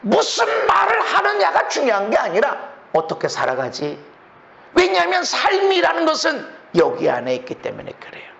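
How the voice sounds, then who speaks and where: A man preaching a sermon as the pastor of a Korean church, posing many rhetorical questions and swinging between loud emphatic lines and low quiet asides. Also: wildly swooping pitch, moderate pace, gravelly. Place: church sanctuary. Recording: echoey church hall, dull lo-fi sound.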